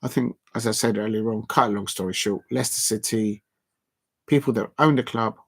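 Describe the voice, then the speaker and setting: A man's voice: fairly low pitch, brisk, breathy edge. A man, rambling through a late-night football watch-along, thanking his chat with lots of ums and restarts. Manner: rambling, filler-heavy, reading out chat shout-outs. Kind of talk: casual late-night live stream wrap-up. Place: at home at night with a TV on.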